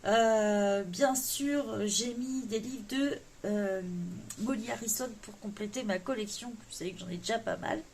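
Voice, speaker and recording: This coloring vlogger's voice is fairly high and a little mellow, her pace measured, with a little hiss or hum audible. She chats casually about her wish list, filling pauses with hesitant sounds and joking about her English accent.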